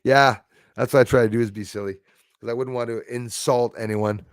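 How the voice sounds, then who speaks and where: A man's voice: medium pitch, fairly even intonation, fairly quick, clear, resonant tone, no room sound, studio quality. A man from Quebec with a Quebec English accent, hosting a casual livestream and rambling through chat with lots of fillers. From Quebec, Canada. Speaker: livestream host reading chat.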